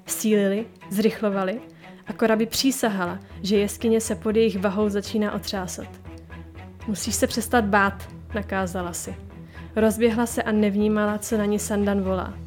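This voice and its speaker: A woman narrating a fantasy audiobook in an expressive manner, voicing each character. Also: medium pitch. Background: music.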